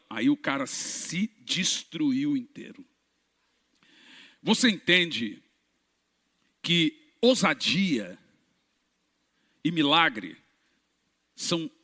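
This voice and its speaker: Animated preacher in a big hall. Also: male voice, fairly high pitch. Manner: animated storytelling, shouting at peaks. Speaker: pastor. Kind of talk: sermon testimony. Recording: reverberant church hall.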